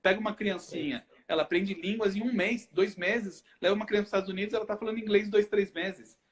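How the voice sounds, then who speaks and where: Animated high-voiced Brazilian man explaining. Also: fast talker. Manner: animated, rhetorical questions he answers himself. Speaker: hypnotherapist host. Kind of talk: casual live chat, explaining.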